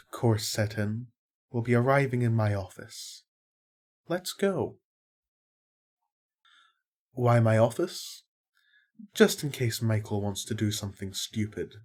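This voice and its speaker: A man's voice: on the low side, husky. A man playing a level-headed, protective angel in an audio drama, speaking in a dry, matter-of-fact way.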